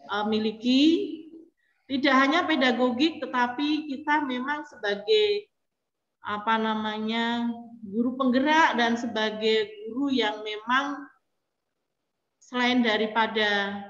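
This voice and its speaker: A woman with a fairly high voice gives an informal lecture to teachers on a video call. She talks in a chatty way, keeps turning to her audience and acts out the voices of students. The sound is roomy and echoey, with a dull, lo-fi tone. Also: fairly bright tone. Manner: chatty, addresses listeners often, acts out quoted students. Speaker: speaker at an online teacher training session.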